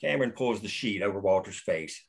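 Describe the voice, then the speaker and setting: A man reading the stage directions aloud at a script table read in a steady, plain way. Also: on the low side, brisk, gravelly, slightly rough.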